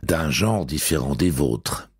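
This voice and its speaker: A man's voice: rumbling low, expressive, slow pace, husky, no echo, clean studio sound, exaggerated voice. A man voicing a sardonic, cold-smiling blind man who grumbles curtly in an audiobook.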